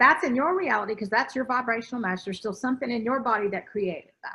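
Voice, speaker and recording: Bright and sharp in tone, a woman with an American accent speaks at a fairly quick pace, her high pitch rising and falling in lively intonation. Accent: southern, comes out when playful. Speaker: spiritual teacher. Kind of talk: spiritual group talk. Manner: animated.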